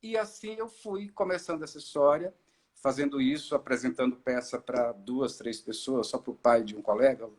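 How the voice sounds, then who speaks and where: A middle-aged man from Ceará, an actor and director, telling his story in a relaxed live-stream interview, with many fillers and restarts. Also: medium pitch, normal speed. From Ceará, Brazil. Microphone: video call.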